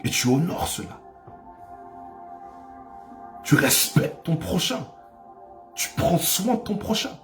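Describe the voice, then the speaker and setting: A man's voice: a little high, very animated, takes it slowly, long pauses, fairly bright tone, faint music behind. A man preaching a sermon as pastor, with impassioned delivery that rises to cries and repeats phrases for emphasis.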